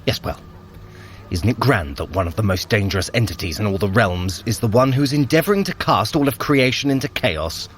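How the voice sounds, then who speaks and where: A man's voice: lowish voice, lively intonation, brisk, slight background noise, natural voice. An actor playing a sly, haughty trickster god in an audio drama, sardonic, smug and theatrical as he bickers with his brother. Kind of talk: scripted audio drama acting.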